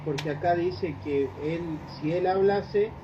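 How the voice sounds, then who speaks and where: Male newcomer in a Bible study, halting delivery, muffled recording with noise behind. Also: high-pitched. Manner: hesitant, searching for words. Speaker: new believer in Bible study. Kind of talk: group discussion. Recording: dull, noisy room recording.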